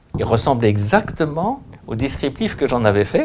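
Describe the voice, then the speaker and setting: A man at a medium pitch talks over noticeable background noise. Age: 70s. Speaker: author. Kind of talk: interview. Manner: halting.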